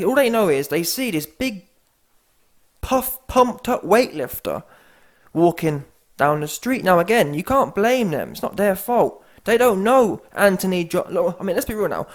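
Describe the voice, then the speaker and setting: A man hosts a comedy reaction video with mocking, slangy banter. He talks in an animated way, and his voice sits a touch high for a man. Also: moderate pace. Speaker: YouTube host.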